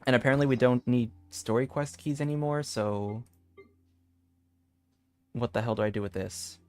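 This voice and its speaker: A man's voice: medium pitch, moderate pace. A man livestreaming a game, chatting casually and reading bits of on-screen text aloud. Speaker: game streamer. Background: soft game music.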